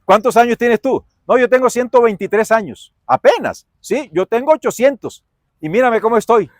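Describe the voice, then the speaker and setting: Brief: boastful ancient patriarch put on by a man preacher, raised pitch, dry close sound. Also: lively intonation, normal speed, no echo. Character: ancient male patriarch boasting of his great age.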